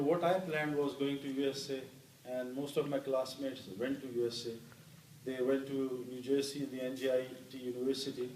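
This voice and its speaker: A middle-aged man from Pakistan, an interview guest and former cricketer, telling stories warmly with many fillers. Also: medium pitch, slight background noise. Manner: warm anecdotal telling with many "you know" fillers. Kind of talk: storytelling in an interview. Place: hall with an audience. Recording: roomy hall, voice picked up from a distance.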